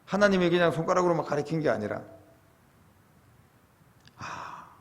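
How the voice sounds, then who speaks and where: A middle-aged man preaching a sermon as a pastor, asking rhetorical questions and swelling to emphatic peaks. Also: mid-range voice. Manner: rising to animated, emphatic peaks when voicing complaint and prayer.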